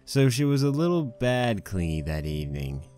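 A man's voice: medium pitch, very animated, normal speed, warm tone, faint music behind, lightly acted. A man playing a young married stallion pony husband, rambling wryly and sheepishly through a fan fiction monologue. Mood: wry storytelling. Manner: conversational, rambling, wry.

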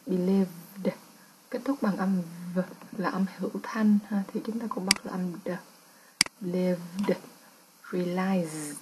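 A woman's voice: medium pitch, steady tone, normal speed, noisy background. A woman English teacher with a Vietnamese accent, patiently explaining test answers and repeating each word.

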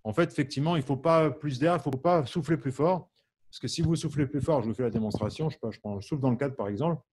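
A man's voice: mid-range voice, fast talker, darkish tone, a little hiss or hum. A man from the Champagne region of France teaching harmonica in a live online lesson, quizzing viewers and reading their answers out by name. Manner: asks the audience questions, many fillers.

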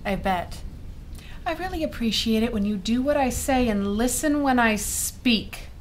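A fairly high-voiced, menacing boss of witches in an audio comedy. She is smug and condescending, silky in her threats. Faint ambience sits behind her. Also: animated, measured pace, slight background noise. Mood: smug, threatening. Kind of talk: comedic audio drama acting.

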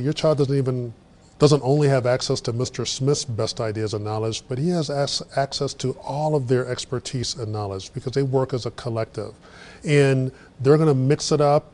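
Man, middle-aged, workshop presenter, lively storyteller, meeting room, recorded by a far camera. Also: medium pitch. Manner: animated storyteller, gestures widely. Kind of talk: conversational workshop talk. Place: meeting room with projector screen.

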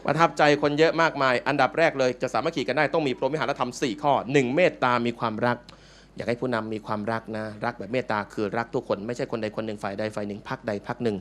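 A Buddhist monk giving a playful, joking dharma talk to a live audience in a large meeting hall. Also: male voice, mid-range voice, fairly even intonation, fast talker, fairly bright tone, a little hiss or hum.

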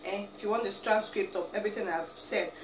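Steady in tone and quick in pace, this mid-range Igbo-accented voice belongs to a vlogger from Abia State, Nigeria, seated in a small room. She rants emphatically at a camera a few feet off, pleading and dropping "eh?" and "biko" throughout, in a distant, roomy, noisy home recording.

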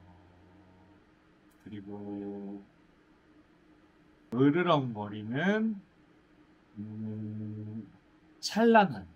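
A young man, a musical actor, chatting in a casual Q&A, pausing thoughtfully to search for words. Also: on the low side, animated, lo-fi sound. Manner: thoughtful, drawn-out pauses while searching for words. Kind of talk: casual Q&A chat. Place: indoor stage set, seated.

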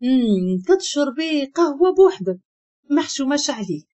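A woman's voice: high-pitched, very animated, moderate pace, warm tone. A woman with a Moroccan accent voicing a charming, flirtatious male colleague who teases in a playful way. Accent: Moroccan Arabic. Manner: teasing and playful.

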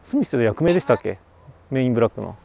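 A man's voice: mid-range voice, sing-song, racing, vocal fry, a little mellow, poor audio. A man live-streaming from a roadside on a bike trip, chatting casually and reacting to viewer comments. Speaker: cycling livestreamer. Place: roadside vending machine outdoors on a mountain road. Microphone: action camera and webcam.

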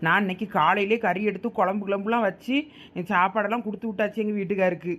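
A woman's voice: medium pitch, fairly even intonation, fast talker, fairly bright tone, close to an everyday voice. A woman playing a village housewife chatting with a neighbour. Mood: complaining. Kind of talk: village family skit.

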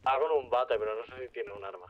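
A man's voice: mid-range voice, quick pace. A man chatting casually as a player in a roleplay game, through a radio-like filter. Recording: muffled radio-like voice chat, noise.

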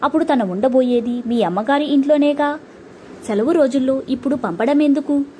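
A woman's voice: high voice, brisk, mellow, a little hiss or hum, close to an everyday voice. A woman voicing a middle-aged landowner father in a storybook, asking direct, puzzled questions.

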